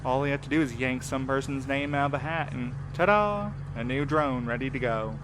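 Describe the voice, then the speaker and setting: A man's voice: medium pitch, moderate pace, background noise, lightly acted. A man acting in an audio drama as a jaded, laid-back night courier with a casual, sarcastic way of talking. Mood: sarcastic, bitter. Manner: casual, wry. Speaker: voice actor in a fiction podcast.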